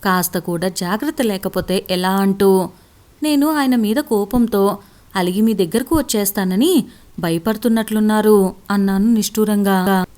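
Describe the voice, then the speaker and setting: A woman telling a story in the first person. She reads at an even, reflective pace, like a narrator of a scripted tale. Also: mid-range voice, normal speed.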